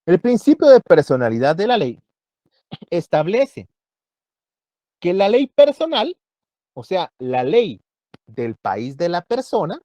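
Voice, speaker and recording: A man teaching a university law class, explaining each point slowly and checking in with his students again and again. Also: sits high, sing-song, dark tone, no echo. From Guatemala. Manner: explanatory, checks understanding with frequent "¿verdad?". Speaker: law lecturer. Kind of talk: university lecture.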